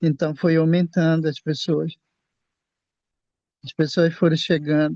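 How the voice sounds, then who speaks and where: Flat, monotone intonation carries a dark, mellow tone, with a dry, close sound and no echo. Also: man, fairly high pitch for a man, fairly slow pace. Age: 60s. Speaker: pastor. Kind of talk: testimony.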